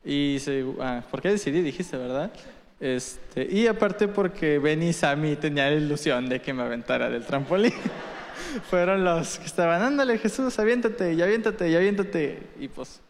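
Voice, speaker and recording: A man speaking at church in a soft, hesitant, self-deprecating way. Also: on the high side, animated, moderate pace, big-room sound, slight background noise.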